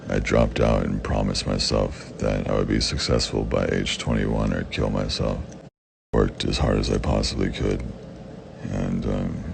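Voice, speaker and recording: A young man with a very deep, raspy voice, answering fan questions in blunt, profane casual talk. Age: young adult. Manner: blunt and profane, with frequent swearing. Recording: background noise.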